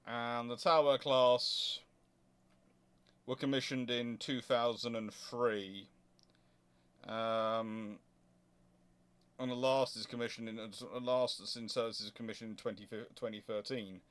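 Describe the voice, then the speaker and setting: A man with a clear, resonant voice at an average pitch answers questions in an unscripted, explanatory style. He thinks aloud as he goes, pausing and hesitating, then hurrying through the next phrase. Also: steady tone, a bit bright. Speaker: host answering viewer questions on naval history.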